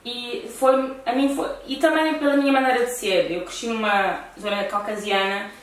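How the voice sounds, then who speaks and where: A European Portuguese-accented woman hosts a talk show, keeping the conversation with her friend casual. Her voice is a little high with fairly even intonation at a moderate pace, and the distant mic sits in a very echoey room.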